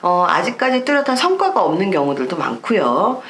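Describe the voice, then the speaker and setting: A woman's voice: lowish voice, very animated, brisk, fairly bright tone. A woman lecturer explaining psychology in an emphatic, explanatory way, asking rhetorical questions. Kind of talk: recorded lecture to camera.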